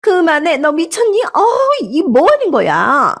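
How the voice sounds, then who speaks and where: A woman's voice: high-pitched, measured pace, pitched above the performer's own voice. A woman voicing a haughty, scornful middle-aged mother-in-law who talks defensively and sneers in a storybook drama.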